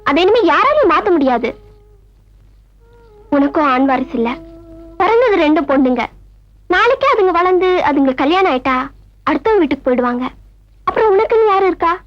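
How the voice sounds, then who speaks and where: Very high-voiced sister arguing earnestly, old movie sound, bit muffled. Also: female voice, big pitch swings, fairly quick, pauses often. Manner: earnest, persuasive. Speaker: younger sister giving advice. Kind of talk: film melodrama dialogue. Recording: dull film soundtrack with music behind.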